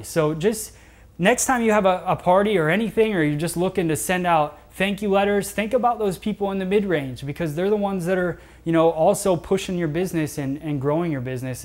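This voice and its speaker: A young man, a salon owner and hairdresser, giving casual business tips to camera in a salon, chatty with many fillers and restarts. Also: fairly high pitch. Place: hair salon indoors, seated.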